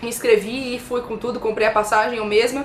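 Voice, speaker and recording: Against noticeable background noise, a woman talks at a fairly quick pace with a fairly high pitch and fairly even intonation. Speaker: book vlogger. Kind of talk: casual vlog talk. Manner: fast.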